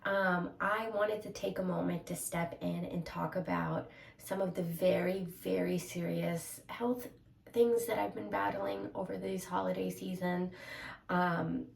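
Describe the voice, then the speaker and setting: A woman's voice: on the low side, steady tone, a little slow, vocal fry, echoey room, distant mic, rough recording. A young woman with a stuffy, congested voice, candidly talking to her camera in a personal vlog, hesitant and full of fillers. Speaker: vlogger.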